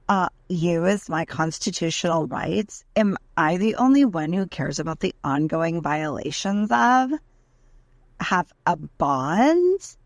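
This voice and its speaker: A woman's voice: lowish voice, gravelly, no echo, full character voice. A woman giving a dramatic reading as an aggrieved, desperate defendant, indignant and emphatic as she pleads her case in a letter. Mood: indignant, pleading. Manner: indignant, emphatic, deliberate list-like delivery.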